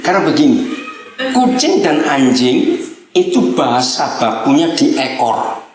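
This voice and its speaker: Animated preacher in a booming echoey hall. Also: male voice, measured pace. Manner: animated, blunt, fires rhetorical questions at the audience. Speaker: pastor. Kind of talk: sermon.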